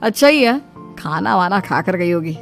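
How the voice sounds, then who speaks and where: A woman's voice: lowish voice, lively intonation, normal speed, soft background music. A woman voicing a casual, dismissive young husband and son in a cartoon story.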